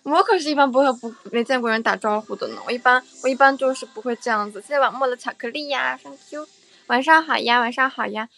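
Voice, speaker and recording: A woman's voice: sits high, fast, vocal fry, sharp tone. A young woman hosting a casual livestream, chatting with viewers in a playful, teasing way and often repeating her phrases. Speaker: livestream host.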